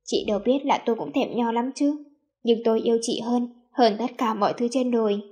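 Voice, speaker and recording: A woman narrating a first-person story in a soft, reflective way. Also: a little high, steady tone, brisk.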